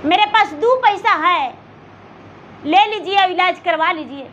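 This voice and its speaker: A humble, poor village carpenter, played by a woman storyteller, caring and respectful. The folk-tale voice is very high and bright, with slow delivery. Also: highs cut off, a little hiss or hum.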